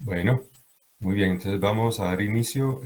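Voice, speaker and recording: Somewhat breathy speech moves at a fairly slow pace with ordinary pitch variation. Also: man. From Colombia. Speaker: university tutor. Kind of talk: online class. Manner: halting, many repetitions.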